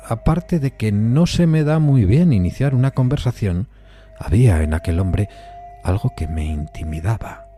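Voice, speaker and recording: Man acting courteous gentleman storyteller, very low pitch, velvety dark timbre, formal, hesitant, eerie audio drama. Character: intimidated, curious, courteous gentleman recounting an eerie encounter. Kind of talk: dramatized first-person suspense story narration.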